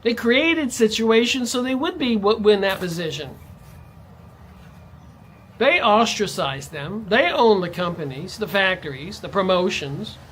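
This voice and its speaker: A man's voice: high voice, lively intonation, a little slow, a bit bright, slight background noise. A man vlogging in a ranting monologue, his voice jumping up sharply on stressed words. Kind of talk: monologue to camera.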